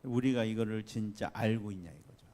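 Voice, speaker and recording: A man preaching a Sunday sermon as pastor, chatty and lively, asking the congregation questions and laughing along. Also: lowish voice, brisk. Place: church sanctuary.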